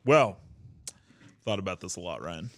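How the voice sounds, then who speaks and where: A man's voice: low-pitched, animated, moderate pace, fairly bright tone, no room sound, studio quality. A man chatting casually and jokingly as a panelist on a gaming talk show.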